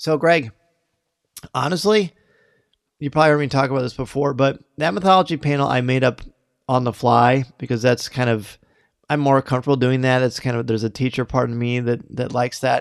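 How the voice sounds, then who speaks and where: A man's medium-pitched voice with ordinary pitch variation, fairly quick between long, frequent pauses. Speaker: podcast host. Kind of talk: casual live-stream chat. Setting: live stream. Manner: fast; animated.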